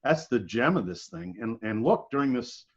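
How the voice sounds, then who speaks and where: A man with a medium-pitched voice speaks in a casual, encouraging way. He sounds like a seasoned hobbyist in conversation, recorded with slightly muffled, lo-fi audio. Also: animated, normal speed. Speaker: experienced ham radio hobbyist. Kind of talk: casual chat.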